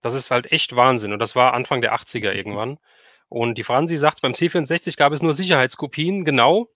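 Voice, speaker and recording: A man's voice: mid-range voice, quick pace, fairly bright tone, no echo, studio quality. A middle-aged man, chatting casually and reminiscing as he hosts a livestream. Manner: reminiscing, conversational. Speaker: livestream host. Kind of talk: casual chat.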